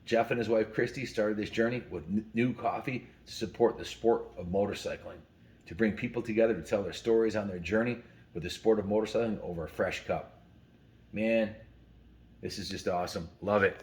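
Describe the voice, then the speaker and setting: A man's voice: fairly low pitch, a little fast. A man with a folksy, enthusiastic manner hosts a story time, chatting casually and reading aloud to his viewers. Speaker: host of a story time show.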